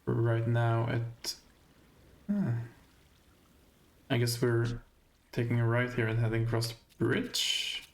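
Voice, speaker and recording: A man's voice: medium pitch, flat delivery, slow, vocal fry, long pauses. A man with a Swedish accent giving gameplay commentary, thinking aloud as he finds his way through a game. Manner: thinking aloud while navigating, hesitant. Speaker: let's play host.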